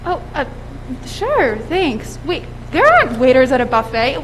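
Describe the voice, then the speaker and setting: A woman's voice: sits high, big pitch swings, unhurried, fairly bright tone, exaggerated voice. A woman as a bubbly sarcastic date. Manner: bubbly, sarcastic, laughs often. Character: chirpy young woman on a date. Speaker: stage actor. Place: high school auditorium stage. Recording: echoey auditorium, faint noise.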